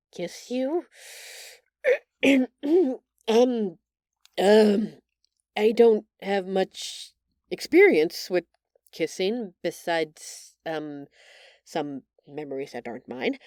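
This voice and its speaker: A woman playing a gentle, shy female alien who stammers earnestly and apologetically in an intimate audio roleplay. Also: fairly low pitch, no room sound, studio quality. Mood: shy, nervous.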